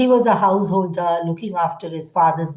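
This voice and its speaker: A woman talks at a fairly quick pace with lively intonation, her somewhat breathy voice carrying a dark, mellow tone. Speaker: astrology teacher. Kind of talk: lecture. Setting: conference presentation. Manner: fast; halting.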